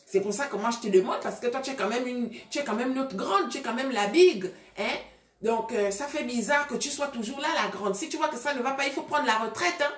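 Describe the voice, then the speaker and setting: A woman's voice: a little high, fairly quick, echoey room, natural voice. Woman putting on a teasing younger girl.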